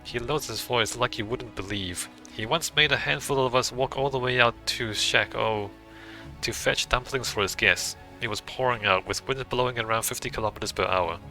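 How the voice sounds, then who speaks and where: A man's voice: mid-range voice, normal speed, sharp tone, faint music behind. A man voicing a weary, put-upon male hotel waiter who gossips in a confiding way.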